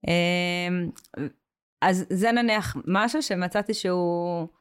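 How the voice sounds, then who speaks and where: A woman's voice: lowish voice, clear, resonant tone. A woman speaking as a guest in a podcast interview, talking hesitantly with many filler sounds and restarts. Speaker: community worker, guest.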